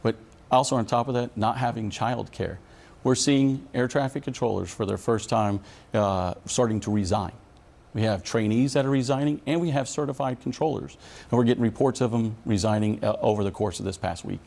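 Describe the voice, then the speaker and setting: A man's voice: mid-range voice, a little fast, gravelly, a little mellow. A middle-aged American man answering news interview questions as a union leader, speaking earnestly and emphatically. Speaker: union leader representing air traffic controllers.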